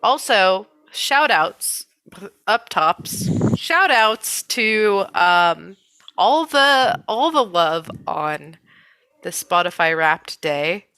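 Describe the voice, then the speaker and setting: A woman's voice: medium pitch, sing-song, very slow, sharp tone, no room sound, poor audio. A young woman co-hosting a casual podcast chat, nasal and blunt, teasing with plenty of swearing. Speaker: podcast co-host.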